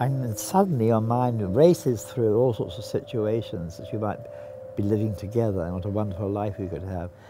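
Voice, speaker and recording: Over background music, a man with a fairly low pitch and ordinary pitch variation talks at a fairly quick pace. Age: 80s+. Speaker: film director. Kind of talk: interview. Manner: halting.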